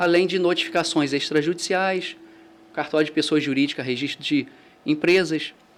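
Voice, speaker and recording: In a Rio de Janeiro accent, a man speaks with a high pitch. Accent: carioca. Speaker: notary. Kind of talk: interview. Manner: formal.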